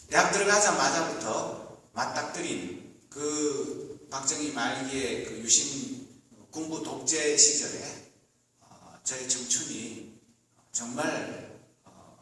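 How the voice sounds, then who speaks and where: A man in his fifties, a pastor delivering a measured Sunday sermon with frequent hesitant fillers. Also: fairly high pitch, fairly bright tone, distant mic, slight background noise. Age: 50s. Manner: measured preaching with hesitant fillers, rising for emphasis. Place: church sanctuary. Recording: echoey hall, recorded from afar.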